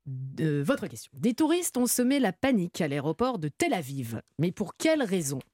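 A woman's voice: on the low side, sing-song, normal speed, a little mellow, no room sound, clean studio sound. A woman hosting a radio quiz game, playful and laughing, with many hesitant fillers.

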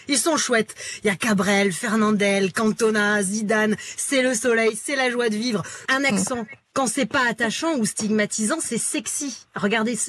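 A woman from Alsace delivers a comic radio column. Her tone is mocking and punchy, and she snaps quickly from one joke to the next. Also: fairly high pitch, fairly bright tone, a little hiss or hum. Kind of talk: comic monologue.

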